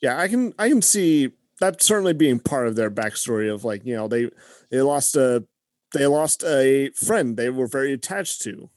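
A man's voice: mid-range voice, lively intonation, moderate pace, darkish tone, dry recording, clean studio sound. A man in casual chat with a co-host, talking hesitantly with many "like"s and "you know"s.

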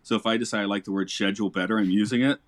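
Chatty low-voiced man on a podcast. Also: steady tone, rapid-fire, dry recording. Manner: chatty, laughs often, rambling restarts. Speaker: podcast host, English teacher. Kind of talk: casual podcast chat. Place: lives in Japan.

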